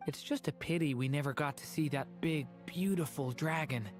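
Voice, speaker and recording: A woman voicing a gentle, earnest young dragon boy in human form for a video game, speaking softly and thoughtfully. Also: deep voice, normal speed, lightly acted. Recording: faint game music behind.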